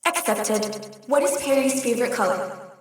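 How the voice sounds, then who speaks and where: A woman playing a sassy, matter-of-fact female jinn and her deadpan security system in scripted audio fiction. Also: fairly high pitch, moderate pace, heavy reverb, close to an everyday voice. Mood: deadpan, officious.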